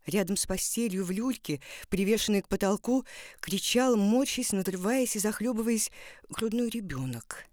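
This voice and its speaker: A woman giving a dramatic, deliberate and expressive narration of literary fiction. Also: mid-range voice, dry recording.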